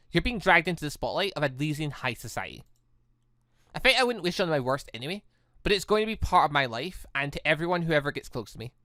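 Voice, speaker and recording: A let's player voicing a proud, high-strung teenage heiress from a visual novel game, formal and insistent. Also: pushed and bright, dry recording, studio quality.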